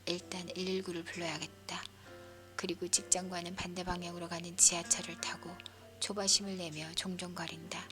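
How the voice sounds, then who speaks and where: 속삭이며 이야기를 읽어주는 여자. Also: female voice, on the low side, level tone, fairly quick, music in the background. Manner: soft, breathy whispering, as if leaning in close. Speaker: narrator. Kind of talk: whispered bedtime story narration.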